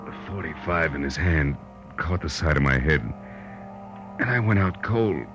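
An actor playing a wry, world-weary private detective, narrating and talking in a terse, deadpan 1940s radio noir style. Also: male voice, a bass voice, moderate pace, music in the background. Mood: wry, tense narration. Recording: noisy, muffled vintage radio recording.

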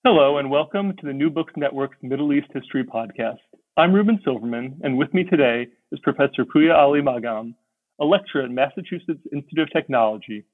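A man's voice: medium pitch, a little fast, no room sound. Man hosting over a tinny line. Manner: formal, welcoming. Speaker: podcast host. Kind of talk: scripted introduction. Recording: dry phone-like line.

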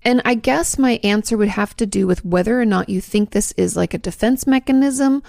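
Her mid-range voice has vocal fry and a darkish tone, moving at normal speed. As a marriage and family therapist hosting her own advice podcast, she casually answers listeners' questions, chatty and self-correcting, laughing at her slips, recorded cleanly in a studio with no echo.

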